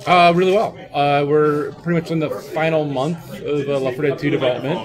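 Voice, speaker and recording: A man's voice: fairly high pitch, fairly even intonation, brisk. A man giving a casual, tongue-in-cheek interview as a game developer, recorded in an echoey hallway. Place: open convention hallway at a game table. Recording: echoey hallway with crowd chatter. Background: crowd noise from a convention.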